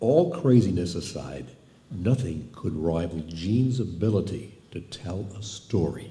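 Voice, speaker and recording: A man with a very deep, low voice speaks at a fairly slow pace, his intonation lively. The tone is dark and mellow, somewhat breathy, with big swings in loudness. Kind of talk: documentary narration.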